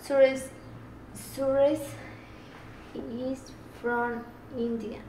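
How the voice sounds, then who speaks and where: A young adult woman answers her teacher as a student in an office room. Her replies are quiet and hesitant, and her voice sits fairly high. She is picked up from a far camera, with faint ambience behind her. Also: flat delivery, drawn-out words, slight background noise. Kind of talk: classroom answers.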